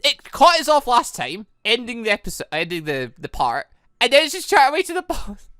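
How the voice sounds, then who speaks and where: A young adult gaming host giving excitable, exasperated let's play commentary while reading visual novel dialogue aloud. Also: mid-range voice, a little fast, no room sound, studio quality. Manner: excitable, exasperated reactions between read lines.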